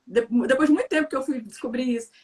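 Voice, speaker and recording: A woman's voice: high voice, rapid-fire. A Brazilian woman hosting a casual chat, telling stories animatedly. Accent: Brazilian Portuguese. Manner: animated storyteller, frequent tag questions. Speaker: host.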